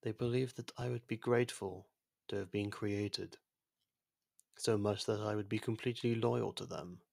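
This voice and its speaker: A man playing an ancient otherworldly being with a destructive past, speaking formally and gently in an intimate ASMR roleplay, with a soft husky voice. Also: lowish voice, steady tone, dry recording, clean studio sound. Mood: solemn, detached. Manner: measured, formal, gently confiding. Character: ancient genocidal otherworldly being, imprisoned, now courteous and fond.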